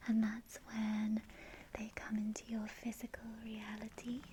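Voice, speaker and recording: Soft-spoken, with a gentle tone, a woman talks at a very slow pace and a fairly high pitch in a monotone, flat intonation. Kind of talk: ASMR crystal reiki guided meditation. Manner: soft-spoken, gentle.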